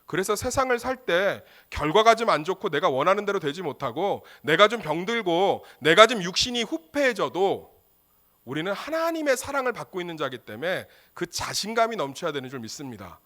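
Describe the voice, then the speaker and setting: A man's voice: high-pitched, big pitch swings, fairly quick, pushed and bright. A male pastor preaching a sermon, emphatic and humorous, full of rhetorical questions.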